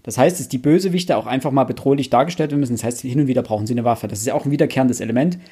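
A man's voice: medium pitch, racing, mellow, breathy edge. A man talking casually about a book as a podcast co-host, explaining and listing examples.

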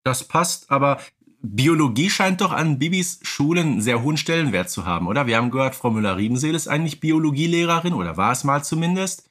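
A man's voice: fairly high pitch, expressive, fast talker, a bit bright. A man talking in an explanatory, conversational way as co-host of a casual podcast, often adding tag questions.

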